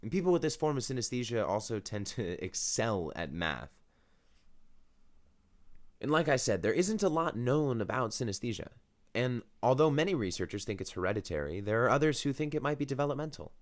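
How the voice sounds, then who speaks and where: A man's voice: medium pitch, very animated, fairly quick. A man hosting a podcast, moving between upbeat scripted narration and casual interview questions. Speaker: podcast host.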